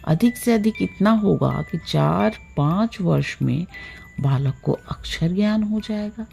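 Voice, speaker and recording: A woman narrating a literary story from a script, with measured, deliberate phrasing. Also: lowish voice, lively intonation, creaky, a little mellow, faint music behind. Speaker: storyteller, audiobook-style reader.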